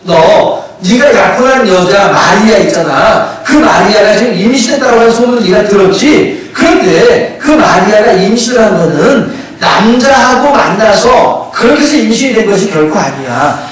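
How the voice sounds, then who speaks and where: A pastor voicing a blunt, insistent God. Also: male voice, high-pitched, animated, moderate pace, hardly any pauses. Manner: casual, pushy, plain-spoken commands. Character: God speaking bluntly and insistently to a young man. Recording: echoey church hall, distant mic.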